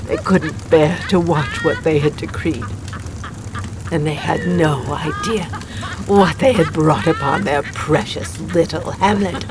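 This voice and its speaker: A woman's voice: sits low, fairly even intonation, background noise. A woman playing a vengeful condemned witch in a horror audio drama, telling her tale in a theatrical, brooding manner. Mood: wicked glee. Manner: slow, theatrical, brooding storytelling.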